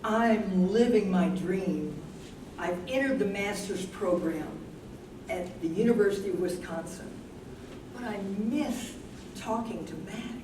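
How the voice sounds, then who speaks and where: A woman in a staged play reading, playing an ambitious, principled young woman weighing marriage, with measured delivery. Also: mid-range voice, natural voice. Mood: wistful. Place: live staged reading in a room. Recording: very echoey room, distant mic, noisy.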